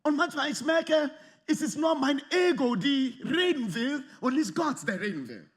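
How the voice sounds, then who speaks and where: A man preaching a sermon in lively, slightly non-native German with English phrases mixed in. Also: very high-pitched, moderate pace. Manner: animated, lively, often acts out quoted arguments. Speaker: pastor.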